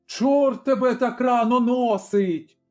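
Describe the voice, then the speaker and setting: A vicious old innkeeper woman, a witch in a folk tale, shrieks her threats in a high, shrill voice, as a male narrator puts her on. Her voice is dark in tone and sits well above the teller's own. Faint music plays under the reading. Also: very slow. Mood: angry.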